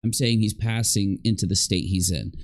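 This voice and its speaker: A man's voice: lowish voice, normal speed. Man hosting a casual commentary livestream. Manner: talks directly to viewers, posing hypothetical questions. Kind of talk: casual reaction commentary to a live audience.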